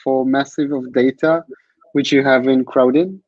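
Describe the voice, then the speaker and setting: A young man whose first language is Hebrew, asking questions as co-host on a video call, halting with many pauses. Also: mid-range voice, steady tone, a little mellow, no room sound. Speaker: meetup co-host. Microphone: video call webcam. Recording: dull lo-fi call audio.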